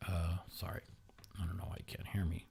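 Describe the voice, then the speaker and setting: A man hosting a podcast in casual sports betting talk, sluggish and halting, with many fillers and restarts, sometimes speaking quietly. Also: sits low, monotone, creaky. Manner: talks quietly at times. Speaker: podcast host.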